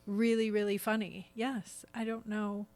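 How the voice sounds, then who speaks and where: A woman's voice: mid-range voice, flat delivery, unhurried, darkish tone, slight background noise. A middle-aged woman speaking as a podcast guest, explaining things earnestly in a conversational way. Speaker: podcast guest, stage actor. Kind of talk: conversational interview.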